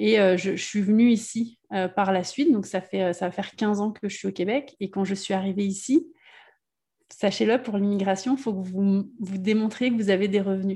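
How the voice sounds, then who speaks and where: A somewhat breathy woman's voice of medium pitch at a moderate pace, with ordinary pitch variation over a quiet background. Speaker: podcast guest. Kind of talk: casual interview.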